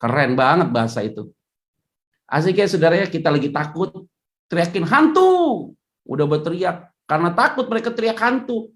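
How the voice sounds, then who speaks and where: A male pastor preaching a lively sermon, acting out the voices of church members and people he quotes. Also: on the high side, brisk. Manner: animated, acts out voices of congregants and quotes.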